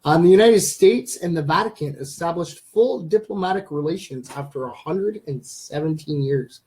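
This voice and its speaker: A man's voice: on the high side, lively intonation, normal speed, darkish tone. A man in his thirties hosting a casual live stream, reading out news items with lots of ums and uhs. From Canada. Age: 30s. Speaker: livestream host.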